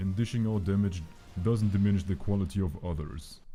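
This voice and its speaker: Over music in the background, a man talks at a fairly quick pace in a very deep, low pitch with fairly even intonation. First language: not English. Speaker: gaming video commentator. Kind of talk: gaming commentary voice-over.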